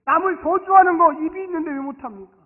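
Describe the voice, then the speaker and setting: A man's voice: very high voice, fast talker. A man preaching a sermon as pastor in a church sanctuary, emphatic and leading the congregation in repeat-after-me lines. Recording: tinny lo-fi sound in echoey church.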